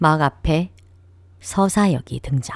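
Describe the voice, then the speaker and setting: In a calm, soothing tone that is dark and mellow, the speaker moves at a very slow pace with lively intonation, the sound dry and close with no echo. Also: woman. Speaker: audiobook narrator. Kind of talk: sleep audiobook reading of a play.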